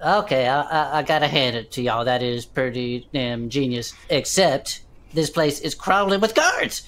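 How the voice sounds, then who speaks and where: A woman's voice: extremely low pitch, moderate pace, a little hiss or hum. A woman playing a hot-tempered, foul-mouthed adventurer who talks in a brash, slangy way. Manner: brash, swearing, slangy drawl.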